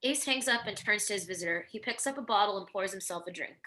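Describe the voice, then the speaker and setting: Woman narrating a script read, stage directions, bright crisp-edged voice, medium pitch. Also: animated, fast talker, low-quality recording.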